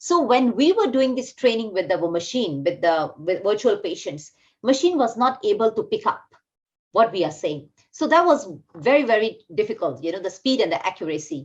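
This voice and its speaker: A woman speaks at a fairly high pitch with a slight Singaporean accent. Her pitch swings very widely at a moderate pace. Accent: slight Singlish. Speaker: nursing educator. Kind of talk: webinar presentation. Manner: halting.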